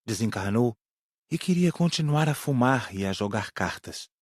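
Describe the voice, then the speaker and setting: A man playing an earnest student spirit who is concerned for others, reading in a measured way for an audiobook. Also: medium pitch, lively intonation, dry recording, studio quality, natural voice.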